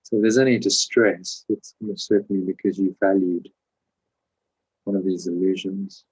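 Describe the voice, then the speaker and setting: A man leading a guided meditation as a spiritual teacher, giving calm, measured instructions with pauses. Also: deep voice, breathy edge, low-quality recording.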